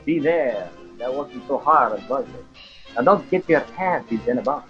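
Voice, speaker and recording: A man's voice: mid-range voice, expressive, moderate pace, a bit bright, soft background music, natural voice. A man playing a cocky, belligerent drunk in an audio drama, swaggering and crude, on a slightly dull recording. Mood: cocky, placating. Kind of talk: audio fiction acting.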